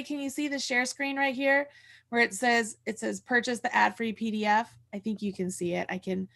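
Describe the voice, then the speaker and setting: A woman's voice: mid-range voice, gravelly, fairly bright tone. A middle-aged woman hosting a casual craft livestream over a video call, chatty and rambling as she thinks aloud. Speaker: host of a crochet tutorial livestream. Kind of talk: casual livestream chat and instruction. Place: room at home. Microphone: video call from a desk.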